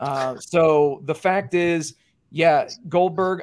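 His fairly high-pitched voice shows ordinary pitch variation as the man speaks. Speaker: podcast co-host. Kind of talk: opinionated casual discussion. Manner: emphatic, opinionated.

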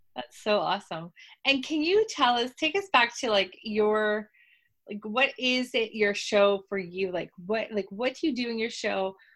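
A plain, everyday voice from a woman, fairly high in pitch, with ordinary pitch variation. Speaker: podcast co-host. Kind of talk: casual interview chat.

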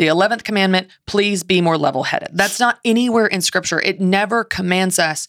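A woman talks in a normal speaking voice at a medium pitch with ordinary pitch variation, on a very clean recording with a silent background. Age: 30s. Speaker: author and speaker. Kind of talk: interview conversation.

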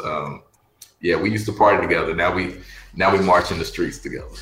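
With audible room echo around him, a man speaks with an American accent. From Louisville, Kentucky (West End). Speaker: politician. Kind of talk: interview conversation.

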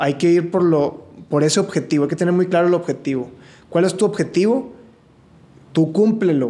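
A man with a high pitch, ordinary pitch variation, very even loudness, a moderate pace and long, frequent pauses. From Monterrey, northern Mexico. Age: 20s. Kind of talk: casual interview testimony.

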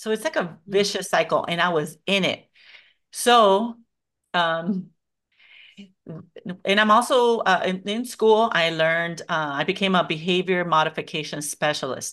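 With an American accent, a woman in a normal speaking voice talks fairly slowly at a medium pitch and with ordinary pitch variation. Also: quiet background. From Los Angeles, California. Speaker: entrepreneur and educational psychologist. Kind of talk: interview.

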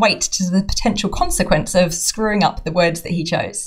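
A woman speaks with a southern English accent at a fairly quick pace. Her voice is somewhat breathy. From southern England. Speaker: podcast host. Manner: conversational, thinks aloud.

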